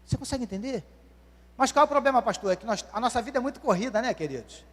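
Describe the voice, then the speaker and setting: A man's voice: extremely high pitch, lively intonation, rapid-fire, a bit bright. A man, preaching a sermon and questioning the congregation as "dear ones". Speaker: pastor. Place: church hall. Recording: long church hall reverb.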